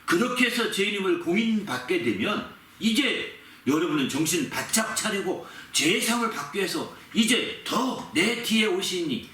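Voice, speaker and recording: A male pastor preaches a sermon with a bright, forceful voice that leaps up and down in pitch. He tells the story with animation and hammers key words again and again. He is recorded from some distance in a roomy, echoey church. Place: church sanctuary. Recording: echoey room, mic at a distance.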